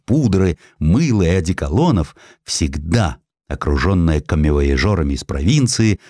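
Low-voiced guy narrating history, lots of up and down in the voice, dry studio sound. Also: no room sound. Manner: measured, expressive reading. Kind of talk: scripted audio drama narration.

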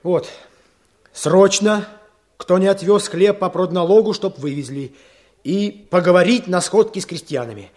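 With a high, slightly mellow voice at a somewhat slow pace, a male actor portrays Kuzma in a radio play. The earnest rural Soviet village chairman is firm, coaxing, and persuasive as he addresses peasants at a meeting.

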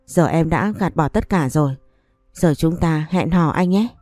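A sly young wife who coaxes and begs, soft and sweet-talking, as a woman narrator voices her in an audiobook. The voice is low, warm and mellow, recorded close and dry. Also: measured pace, dry recording, soft background music. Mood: pleading. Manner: coaxing and pleading. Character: scheming young wife, pleading, tearful, sly. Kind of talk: audiobook story reading.

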